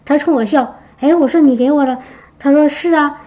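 A high-pitched woman with a mellow, warm tone shares a personal testimony with her congregation. She tells her story in a lively, animated way. The recording sounds dull and lo-fi. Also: brisk. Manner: lively storytelling, acts out quoted speech. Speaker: church member giving a testimony.

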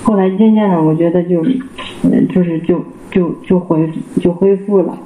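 Halting man recounting his testimony. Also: sits high, fairly even intonation, dark tone. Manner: halting, repeats words and phrases, many fillers. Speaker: church member giving testimony. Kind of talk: casual spoken personal testimony. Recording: roomy with faint background noise.

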